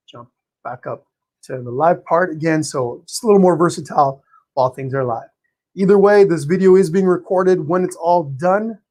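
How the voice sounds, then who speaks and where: A man hosting a live painting stream, greeting viewers by name in a friendly, chatty way, his voice a little hoarse and tired, clearing his throat now and then. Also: on the high side, a little mellow. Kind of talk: live-stream chat and teaching.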